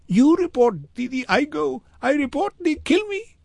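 A man voicing a desperate young Indian street boy in a storybook, speaking broken, halting English in short bursts with a thin, high voice. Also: big pitch swings, gravelly, a little mellow, no echo, heavily acted. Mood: panicked, insistent.

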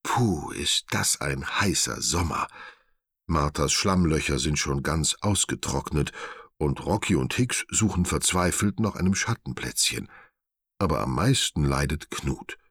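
A man narrating a children's storybook in an animated, expressive way. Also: extremely low pitch, unhurried, husky, no room sound, studio quality.

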